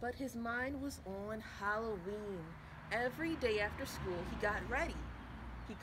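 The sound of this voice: In an unforced reading voice, the speaker delivers lines with lively intonation.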